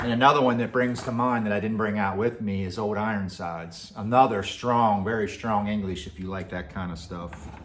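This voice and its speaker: Speaking in an ordinary speaking voice, a man keeps a moderate pace at a fairly low pitch with ordinary pitch variation. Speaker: pipe tobacco reviewer. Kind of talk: casual chat. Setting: workshop.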